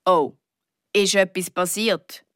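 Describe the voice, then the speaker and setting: A woman's voice: on the low side, steady tone, slow pace, fairly bright tone, no echo, studio quality, voice pushed down. A woman with a Swiss German accent voicing a friendly young boy in a children's story, easygoing and matter-of-fact. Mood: casual.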